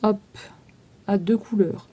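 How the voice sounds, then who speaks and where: Speaking slowly in a warm, slightly rough mid-range voice with fairly even intonation, a French woman in her thirties offers a casual sales walkthrough of her makeup. As a vlogger, she lists prices and numbers, leaning heavily on fillers.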